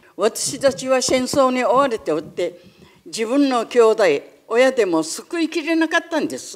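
The woman's pitch is high and her pace fairly slow. The background is quiet. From Okinawa, Japan. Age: 80s+. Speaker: anti-base protester and war survivor. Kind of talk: protest speech and interview answer. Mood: indignant, resolute. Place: studio.

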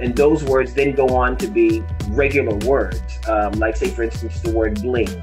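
Clear music plays behind a man speaking at a moderate pace. His pitch is very deep and low, with very wide pitch swings. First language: Gullah. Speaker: language instructor. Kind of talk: interview answer. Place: home room. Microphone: earbuds.

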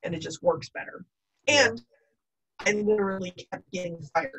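A somewhat breathy woman's voice, fairly low in pitch, with an American accent. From US South, Texas. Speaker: diversity educator and speaker. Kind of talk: interview.

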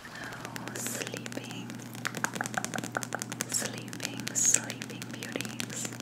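Leaving long, frequent pauses, a woman talks at a very slow pace. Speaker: ASMR artist. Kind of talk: casual ASMR greeting to viewers. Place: home room.

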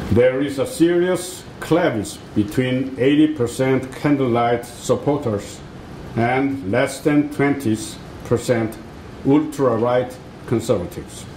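Very slow speech with audible room echo and light background noise. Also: man, ordinary pitch variation. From South Korea. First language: Korean. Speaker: professor. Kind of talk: conference talk. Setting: stage with audience. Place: meeting room. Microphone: podium.

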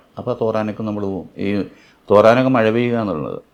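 A man speaks in an unremarkable speaking voice. His pitch is fairly low. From Kerala, India (Chembu, Vaikom, Kottayam). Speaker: actor and vlogger. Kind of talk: personal reminiscence vlog.

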